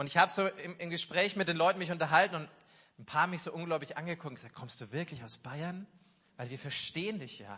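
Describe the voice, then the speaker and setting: A man's high-pitched, bright, sharp voice at a very fast pace, with ordinary pitch variation and big swings in loudness. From Bavaria. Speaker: guest preacher. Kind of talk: sermon. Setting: church service, hall with livestream.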